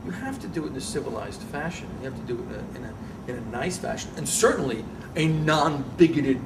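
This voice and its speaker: Animated emphatic man, distant noisy mic. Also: medium pitch, a little fast. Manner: emphatic, restarts phrases, animated rising peaks. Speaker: guest rabbi. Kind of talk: casual interview talk. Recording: distant mic with background noise.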